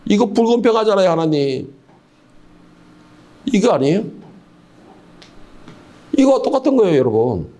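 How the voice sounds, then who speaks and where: A man's voice: high voice, very animated, normal speed, pauses often, dark tone. A middle-aged man preaching a sermon as pastor, asking the congregation rhetorical questions and stumbling over many filler words.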